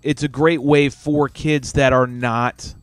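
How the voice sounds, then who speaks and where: A man's voice: mid-range voice, steady tone, takes it slowly, clean tone, dry recording, soft background music. A man in his forties hosting a casual podcast, talking loosely with swearing and rambling asides. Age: 40s. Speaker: podcast host. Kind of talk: casual chat.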